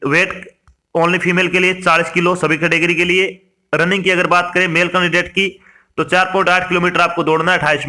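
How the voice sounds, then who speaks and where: A man's voice: high voice, bright, forceful tone. A man from India giving an instructional explainer, reading out lists and addressing listeners directly. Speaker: exam information presenter.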